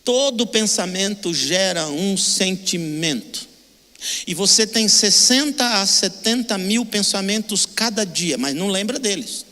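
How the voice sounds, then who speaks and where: Older male pastor, Brazilian accent, high bright voice, long hall reverb, emphatic sermon. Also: animated, measured pace. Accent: Brazilian Portuguese. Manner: emotional, emphatic, repeats short phrases.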